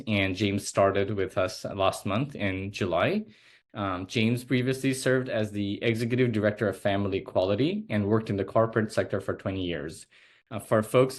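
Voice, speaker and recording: Man, 30s, from Nepal, low voice, earnest, filler words, video call presentation. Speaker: advocacy presenter. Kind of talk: webinar slide presentation.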